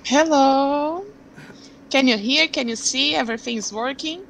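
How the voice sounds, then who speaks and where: A woman's voice: sits high, measured pace, vocal fry, fairly bright tone, a little hiss or hum, poor audio. A young woman from Brazil, tutoring on a headset over a video call and asking patient, curious questions. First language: Portuguese. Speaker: language tutor. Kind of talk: online tutoring session.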